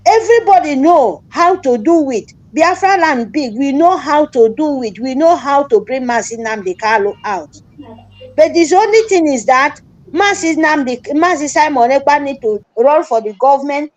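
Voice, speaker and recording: A woman caller with a high voice and a Nigerian Pidgin accent. She argues in an insistent, pleading and rambling way. She speaks in a call-in discussion. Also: lively intonation, normal speed, rough recording. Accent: Nigerian Pidgin English.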